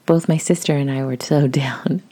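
A woman with a raspy voice, reading a post aloud in a soft, casual whisper. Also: low-pitched, fairly even intonation, normal speed. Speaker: audio creator reading posts.

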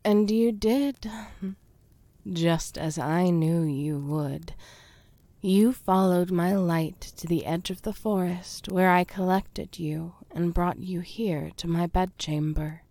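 A woman voicing a domineering, possessive fae queen, speaking in breathy whispers and giving commands. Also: on the low side, slow pace, warm tone, no echo. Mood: seductive, menacing. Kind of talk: audio roleplay.

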